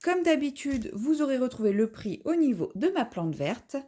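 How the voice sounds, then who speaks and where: A craft vlogger hosts a casual unboxing video at home, chatting as she goes through each item one by one. Her voice is somewhat high, soft and mellow, and her delivery is relaxed, conversational and moderately paced.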